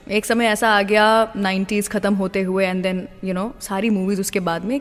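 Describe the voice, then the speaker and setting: A woman's voice: medium pitch, long reverb tail. A woman with an Indian accent hosting a music radio show in a conversational storytelling style, mixing in English phrases.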